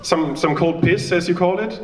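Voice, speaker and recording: A man's voice: high voice, normal speed, echoey room, far from the mic, heavy background noise. German-accented man doing stand-up. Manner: chatty, self-mocking, banters with the crowd. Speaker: stand-up comedian. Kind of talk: stand-up comedy set. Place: small live venue with audience.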